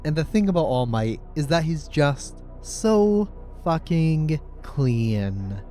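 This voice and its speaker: A man's voice: a little high, very animated, slow pace, dark tone. A man narrating a scripted video essay in an opinionated, sarcastic, casual way. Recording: music playing under the voice. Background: background music.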